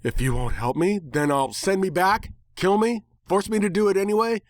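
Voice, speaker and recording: A man's voice: high-pitched, normal speed, no room sound, clean studio sound, pitched above the performer's own voice, close to an everyday voice. A man voicing a smart-mouthed, exasperated pony hero in a dramatic story reading, sarcastic and defiant.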